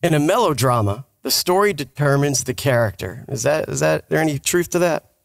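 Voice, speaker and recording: A man's voice: on the high side, lively intonation, brisk, gravelly, dry recording, studio quality. A man hosting a podcast in casual interview chat, chiming in responsively. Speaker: podcast host.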